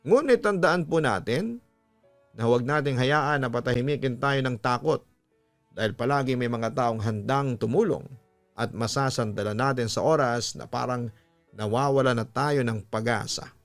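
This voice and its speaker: Male story host, mid pitch, earnest sentimental narration, music bed behind. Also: moderate pace. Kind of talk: scripted narration of a listener's letter and heartfelt advice. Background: background music.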